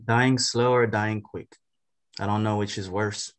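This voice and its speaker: A man acts out an earnest working miner, husband and father. His voice is on the low side. He speaks plainly in Southern country phrasing, proud and steady, at a script read. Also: unhurried, clean tone, close to an everyday voice. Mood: weary, tender. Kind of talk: dramatic script table read.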